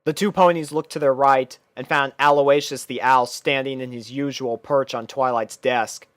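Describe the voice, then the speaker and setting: A man's voice: medium pitch, steady tone, moderate pace, a bit bright, dry recording. A man reading fan fiction aloud as scripted, storybook-style narration.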